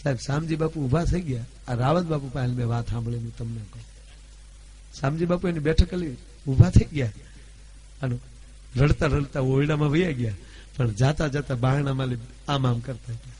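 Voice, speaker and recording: A man, telling folk stories at a live gathering, declaiming loudly at his peaks and then dropping to a low, confiding tone. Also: normal speed, husky. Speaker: folk storyteller. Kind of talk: live folk storytelling (dayro).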